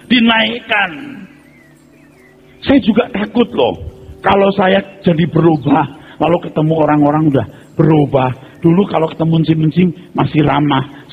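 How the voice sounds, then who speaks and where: A man preaching a sermon from a church pulpit, talking to the congregation with rhetorical questions and moving between loud exhortation and quiet confession. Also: on the high side, slight background noise. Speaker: pastor. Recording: tinny phone-like sound with long hall reverb and faint music.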